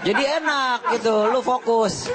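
High-voiced man joking through his critique. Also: a little slow, heavy background noise. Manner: joking, candid critique in slang. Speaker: comedy show judge. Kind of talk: giving feedback on a set. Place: TV studio with live audience.

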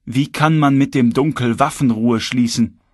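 A man's voice: mid-range voice, moderate pace, darkish tone, husky, no echo, studio quality, lightly acted. A man voicing a cold, uncompromising young male magician who speaks with stern, unwavering conviction.

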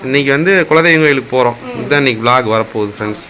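A man's voice: mid-range voice, racing, sharp tone, rough recording. A man filming a family vlog, chatting with affectionate teasing. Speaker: family vlogger. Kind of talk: casual family vlog chat. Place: family home gathering. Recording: busy crowd of relatives behind.

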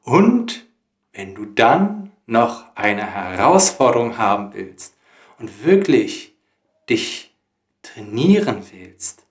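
A man hosting a German lesson, speaking slowly and carefully to learners. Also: fairly low pitch, sing-song, reverberant. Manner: deliberate, careful phrasing for learners. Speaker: German teacher, host. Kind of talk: slow, clear teaching talk to learners.

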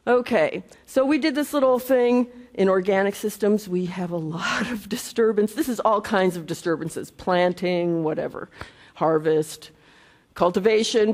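Casting: woman scientist, mid-pitch, chatty lecture in a reverberant conference hall. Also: darkish tone. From United States. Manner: conversational, frequent okay and restarts. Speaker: conference speaker, entomologist.

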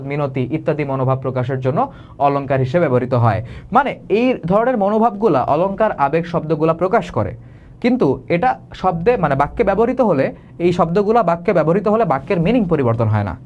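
Young male tutor from Bangladesh, voice on the higher side, chatty online class delivery with acted-out examples. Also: a little mellow, highs cut off, slight background noise. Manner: casual colloquial explaining, acts out example phrases. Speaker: teacher. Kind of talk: online exam-prep class.

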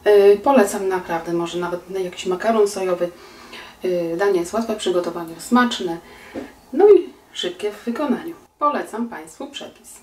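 A woman in her forties walks viewers through a recipe in a calm, step-by-step way and addresses them politely. Her voice sits at an ordinary middle pitch and comes from a little way off the mic. A home kitchen gives it a roomy echo with a faint hiss behind. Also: normal speed, distant mic. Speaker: cooking channel host. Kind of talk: recipe instructions.

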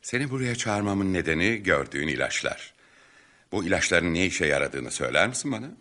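An actor playing a tough, commanding and mocking police inspector in a Turkish radio drama. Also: male voice, sits low, big pitch swings, a little fast, sharp tone, full character voice. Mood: businesslike, probing.

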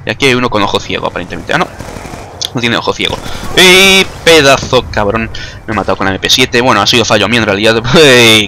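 Bright-voiced young man from Spain. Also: on the low side, slight background noise. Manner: chatty, joking, self-mocking. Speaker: gaming commentator. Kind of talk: casual gameplay commentary.

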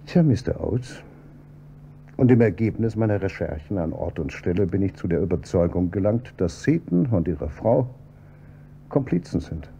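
An actor playing a calm, probing police inspector who heads homicide in a radio drama, with a dry, measured delivery. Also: male voice, sits low, creaky. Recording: dull, slightly noisy audio with hum.

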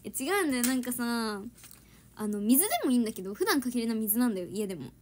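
A woman's voice: on the high side, fast talker, a little mellow. A young woman chatting casually on a livestream, giggling and answering viewers' comments. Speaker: idol trainee livestreaming to fans.

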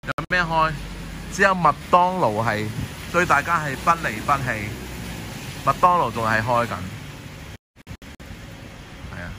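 A man with a Hong Kong Cantonese accent, live-streaming a walking tour on rainy night streets and chatting casually with viewers as he walks. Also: medium pitch. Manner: chatty, talks to viewers and passers-by. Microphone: handheld phone camera. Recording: steady rain and passing traffic behind.

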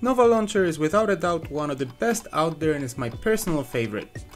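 Lively young man reviewing apps. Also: fairly high pitch, fairly quick, soft background music. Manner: upbeat, clear product walkthrough. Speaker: app reviewer. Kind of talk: scripted voice-over narration.

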